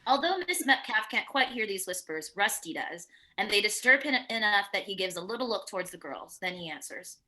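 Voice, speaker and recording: Bright-voiced woman reading stage directions. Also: medium pitch, animated, brisk, few pauses. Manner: plain descriptive reading with occasional stumbles. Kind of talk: reading screenplay directions aloud at a virtual table read.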